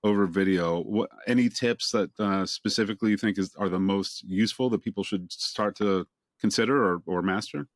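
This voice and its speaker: Low-voiced man hosting a video interview. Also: moderate pace, no room sound, studio quality. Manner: relaxed, joking, asks long questions. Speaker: interview host. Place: home office in Boston. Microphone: camera on a video call.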